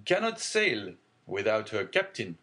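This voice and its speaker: A man reading aloud and voicing a genial, fatherly older shipowner in a hearty, booming manner. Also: big pitch swings, measured pace, bright, forceful tone, full character voice. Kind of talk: audiobook character reading.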